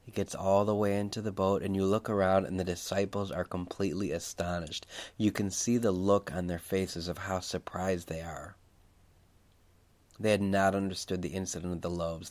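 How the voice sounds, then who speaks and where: Deep-voiced man leading a guided Christian meditation. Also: level tone. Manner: unhurried, reflective, repeating phrases for emphasis.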